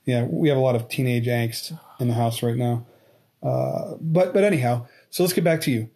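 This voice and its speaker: A forty-year-old man hosts his own podcast in a casual interview chat, full of restarts and fillers. His voice is mid-range and warm with vocal fry, and he speaks at a moderate pace.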